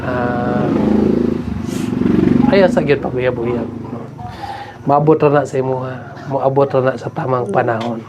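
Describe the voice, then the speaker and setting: A man's voice: medium pitch, fairly even intonation, a little slow, pauses often, muffled recording. A man hosting a vlog, telling a story in a chatty way and often asking "no?". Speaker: vlog host. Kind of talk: casual vlog talk to viewers. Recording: noisy outdoor ambience.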